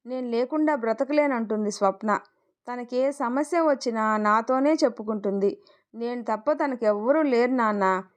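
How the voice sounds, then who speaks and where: A woman's voice: fairly high pitch, moderate pace, natural voice. A woman voicing an evasive, self-excusing young husband in a storybook tale. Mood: defensive. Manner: evasive, pleading.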